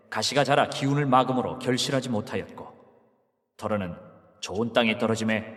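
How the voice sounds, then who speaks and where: A man voicing Jesus as a grave, solemn teacher in a dramatized scripture reading, speaking slowly and with measured weight. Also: mid-range voice, a bit bright, in a large hall, lightly acted.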